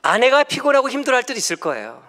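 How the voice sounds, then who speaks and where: A man preaching a church sermon, acting out family quarrels loudly and then dropping to soft, tender murmurs. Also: very high voice, huge pitch swings, very fast, big-room sound. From South Korea. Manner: drops to near whisper for tender lines and stories. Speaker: pastor. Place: church sanctuary.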